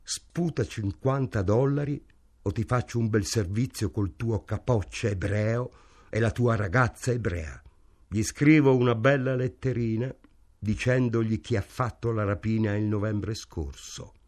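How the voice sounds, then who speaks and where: Slow sneering thug, low menace, read by a guy. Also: a little mellow. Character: sneering young male crook, menacing and crude. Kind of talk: audiobook reading.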